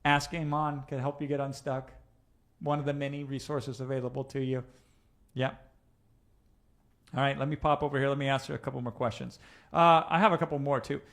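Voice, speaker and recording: A man's voice: mid-range voice, level tone, fairly quick, gravelly, pauses often, fairly bright tone. A man coaching a live audience in a conversational teaching talk, often checking in with "right?" and drifting into asides. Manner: conversational, checks in with "right?", digresses mid-thought. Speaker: coach presenting a live session.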